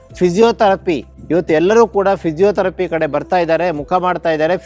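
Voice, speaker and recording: Over music in the background, a man with a high pitch speaks in fairly even intonation, the sound dry and close with no echo. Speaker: naturopathy doctor. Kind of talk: promotional talk to camera.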